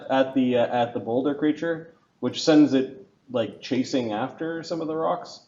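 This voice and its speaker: A man's voice: medium pitch, darkish tone. A man casually narrating a tabletop game as game master. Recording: dull lo-fi audio.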